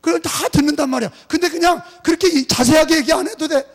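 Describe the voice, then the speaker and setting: A male pastor preaching a revival sermon, emphatic, swinging between loud cries and quiet murmurs, and having the congregation repeat after him. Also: extremely high pitch, fast talker, vocal fry. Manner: has congregation repeat phrases. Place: church sanctuary. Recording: long hall reverb, mains hum.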